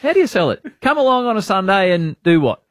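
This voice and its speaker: Chatty Australian man, lively pitch. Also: fast talker, dry recording, studio quality. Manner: chatty, laughs often, teasing questions. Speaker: radio host. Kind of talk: casual banter.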